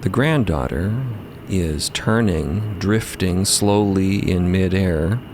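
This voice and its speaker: A man narrating a scripted story with measured, deliberate phrasing. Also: low voice, background noise. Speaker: podcast narrator.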